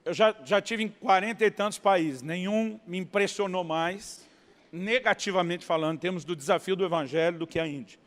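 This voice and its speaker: A man from Brazil preaching a sermon as a pastor, telling a story with lively acted-out dialogue. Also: high voice, normal speed. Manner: animated storyteller, acting out dialogue, laughing at punchlines. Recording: long hall reverb.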